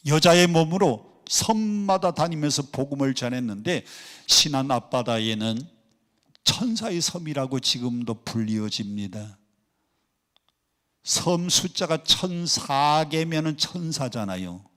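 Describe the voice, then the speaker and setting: A male pastor preaching a sermon, asking the congregation questions and answering them himself, mimicking regional dialect, rising to loud emphatic exclamations. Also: medium pitch. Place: prayer retreat worship hall. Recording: long hall reverb.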